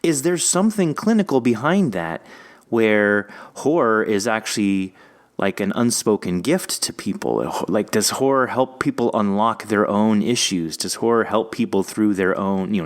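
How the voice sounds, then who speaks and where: A man's voice: on the low side, expressive, moderate pace. A man hosting a podcast interview in casual conversation, rambling through questions and asides. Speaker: podcast host.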